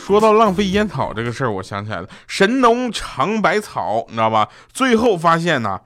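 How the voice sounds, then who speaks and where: A man hosting a comedy show, delivering jokes and short anecdotes in a playful, quick style with pauses before punchlines. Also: a little high, huge pitch swings. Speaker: radio comedy host. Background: background music.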